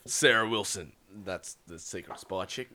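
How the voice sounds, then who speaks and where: A man's voice: low-pitched, measured pace, pushed and bright. A man hosting a show and reading out a comic sci-fi story, often breaking into laughter. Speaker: storyteller and host.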